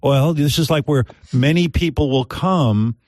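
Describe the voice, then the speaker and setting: A man voicing a patient young man who explains everyday things to his girlfriend in a plain, steady tone. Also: on the high side, unhurried, no room sound, clean studio sound, natural voice.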